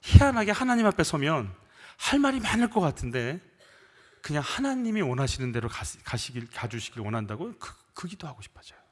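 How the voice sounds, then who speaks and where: Lively high-voiced male pastor preaching. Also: a little fast. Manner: conversational preaching, rhetorical questions to the congregation; rising into emphatic bursts when voicing complaints. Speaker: senior pastor. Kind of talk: sermon.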